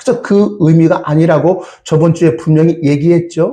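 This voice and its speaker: His high pitch paired with a dark, mellow tone, the man speaks at a moderate pace. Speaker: pastor. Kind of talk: sermon. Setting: church. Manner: speeds up as sermon goes on.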